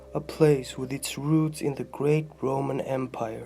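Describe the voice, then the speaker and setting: Delivery is fairly slow. You can hear noticeable noise in the background. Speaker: true crime writer and narrator. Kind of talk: true crime narration.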